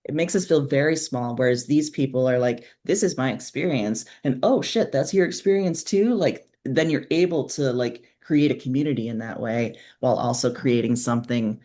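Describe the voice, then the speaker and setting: A woman's voice: rumbling low, moderate pace, few pauses, mellow. A woman talks as a guest in a casual interview. Her delivery is earnest and informal, conversational in its phrasing and loosely peppered with everyday filler words. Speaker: interview guest, author and podcaster.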